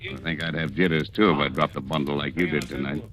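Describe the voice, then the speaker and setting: An actor playing a cool, quietly menacing male gambling-house boss in a 1940s radio drama. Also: very deep voice, steady tone, quick pace, crowd noise.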